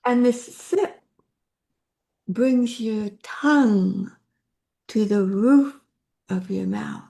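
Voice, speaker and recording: A woman on a video call calmly leading a group through a gentle sipping exercise. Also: on the high side, creaky. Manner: calm, soothing, slow instructions. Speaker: workshop facilitator.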